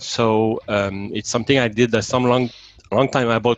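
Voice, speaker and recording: A fairly low-pitched male voice in a monotone, flat intonation, with a dry, close sound and no echo. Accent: French Canadian. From Quebec, Montreal. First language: French. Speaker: hobbyist software developer. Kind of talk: webinar self-introduction. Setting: online webinar. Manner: halting, searching for words.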